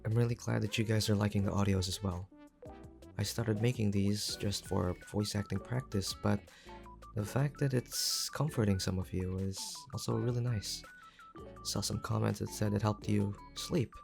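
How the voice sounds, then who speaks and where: A man's voice: fairly low pitch, fairly even intonation, moderate pace, gravelly, soft background music. Modest man giving a casual outro. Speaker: amateur voice actor, channel creator.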